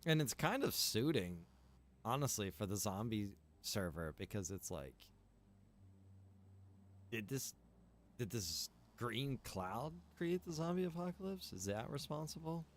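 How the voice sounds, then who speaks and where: A man's voice: medium pitch, lively intonation, measured pace. Casual male streamer with noise behind him. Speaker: game streamer. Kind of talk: casual live-stream chat while gaming. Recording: clear background noise.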